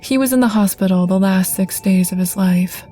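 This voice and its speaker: A woman reading a first-person ghost story in a soft, measured, earnest way over faint background music. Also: medium pitch. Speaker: guest narrator.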